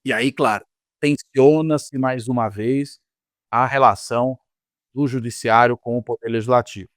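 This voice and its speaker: A man with a Brazilian Portuguese accent giving measured, analytical political commentary, often tagging his points with quick questions. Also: medium pitch, steady tone, dry recording, studio quality. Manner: measured, lecturing, frequent tag questions. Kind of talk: analytical panel discussion.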